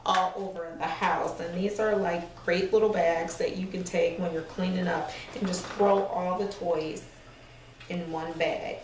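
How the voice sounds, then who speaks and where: Brief: thirties woman, a little hoarse, casual step-by-step craft host, recorded at a distance in a roomy space. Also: fairly low pitch, a little slow, a little hiss or hum. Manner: relaxed, chatty step-by-step explaining with fillers. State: slightly hoarse, losing her voice. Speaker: sewing tutorial host. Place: small room indoors at an ironing board. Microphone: far camera. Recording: echoey room, mic far off.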